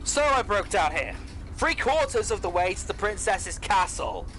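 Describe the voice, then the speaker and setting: Man playing a high-voiced polite mechanical man. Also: big pitch swings, moderate pace, sharp tone, exaggerated voice, rough recording. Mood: matter-of-fact. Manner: formal, explanatory. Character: polite mechanical clockwork man, loyal and strong. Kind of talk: scripted audio drama acting.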